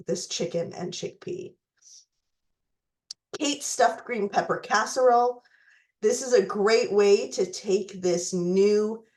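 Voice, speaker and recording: A woman hosting a recipe tutorial reads out a letter and then works through recipes very slowly and deliberately, with fillers and restarts. Her mid-range voice has a darkish tone and is going hoarse as she loses it and fights off a cough.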